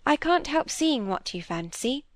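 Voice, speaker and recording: A woman's voice: high voice, big pitch swings, unhurried, no echo, studio quality, pitched above the performer's own voice. A woman voicing an earnest young girl who speaks openly and grows indignant easily.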